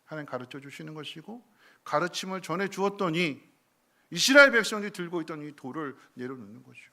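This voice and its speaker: Gravelly bright-voiced man preaching. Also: a little high, expressive, a little fast. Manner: swings from soft to loud, acts out quoted prayers. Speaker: pastor. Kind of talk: sermon. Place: church sanctuary.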